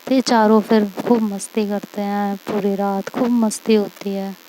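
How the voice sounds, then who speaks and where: A woman's voice: mid-range voice, flat delivery, a little slow, dark tone, poor audio. A woman telling a serialized love story in a chatty, informal way, repeating linking phrases between characters' lines. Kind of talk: casual spoken story narration. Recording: faint hiss.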